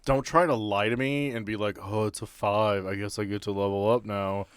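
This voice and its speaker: A man's voice: fairly low pitch, steady tone, normal speed, smooth, no echo, clean studio sound. A man working as game master, narrating a tabletop game off the cuff and talking players through the action in a casual way.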